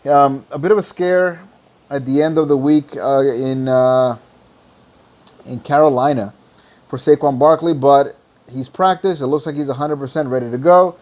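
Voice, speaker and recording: A hoarse, tired man hosting a podcast, rambling loosely through fantasy football picks and swearing freely. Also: mid-range voice, moderate pace, muffled recording. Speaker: podcast host. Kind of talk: casual fantasy football talk.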